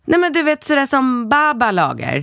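Cheeky young boy, deadpan and blunt, put on by a woman, pitched well above her own voice. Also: creaky, dry recording, clean studio sound, full character voice. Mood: matter-of-fact.

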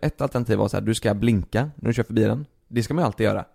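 A man's voice: fairly low pitch, gravelly. A man chatting casually as a podcast co-host, swearing a lot as he vents and tells his story with animation. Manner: profane, venting, animated storytelling. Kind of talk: casual chat.

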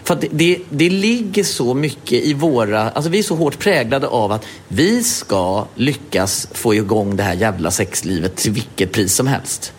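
Lively rambling man, chatty podcast co-host. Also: mid-range voice, few pauses, slight background noise. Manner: rambling, animated, swearing, acting out scenes. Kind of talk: casual chat.

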